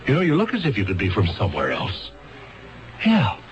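A man's voice: lowish voice, huge pitch swings, a little fast, lo-fi sound, faint music behind. An actor playing an ambitious, exasperated male defense lawyer who cajoles with hesitant, repetitive patter in a 1970s radio drama. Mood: brisk, skeptical.

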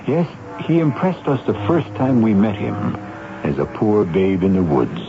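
An actor as a wry, theatrical host narrating a mystery radio drama in a deliberate way. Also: male voice, fairly low pitch, wildly swooping pitch, noisy background, exaggerated voice. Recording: dull broadcast, loud music behind.

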